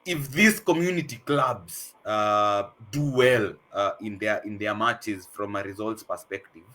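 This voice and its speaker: Halting Kenyan male football pundit. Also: on the low side, fairly bright tone. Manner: hesitant, halting, repeats words. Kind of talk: casual unscripted analysis, mixing English and Swahili.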